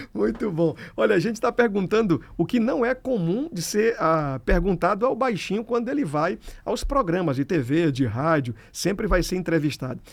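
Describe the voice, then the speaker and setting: A man's high voice with very wide pitch swings at a moderate pace, on a very clean recording with a silent background. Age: 40s. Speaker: talk show host. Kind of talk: interview. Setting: TV and radio studio, live broadcast.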